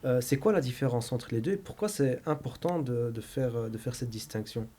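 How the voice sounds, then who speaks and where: A man's voice: mid-range voice, a little fast, dark tone. A man hosting a podcast, asking polite questions with many filler sounds. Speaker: podcast host. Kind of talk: interview questions.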